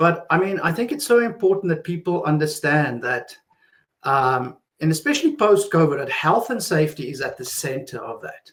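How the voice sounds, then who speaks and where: Intonation here is lively. The man's voice is high-pitched. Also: moderate pace, big swings in loudness. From South Africa. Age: 50s. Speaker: software company executive. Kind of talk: conference interview. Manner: halting, with many repetitions.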